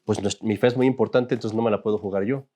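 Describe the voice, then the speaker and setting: A man's voice: fairly low pitch, fairly even intonation, fast talker, mellow. Chatty male priest teaching a class. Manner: conversational, jokey, asks the class questions. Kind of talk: informal catechism class.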